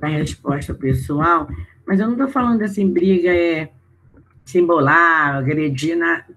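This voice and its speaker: A man with a Brazilian Portuguese accent teaching an online video lesson. He talks in a conversational way, reads exercise prompts aloud, thinks out loud and keeps checking in with his students. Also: fairly high pitch, measured pace, a little hiss or hum, rough recording. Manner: conversational, checking in with students through tag questions.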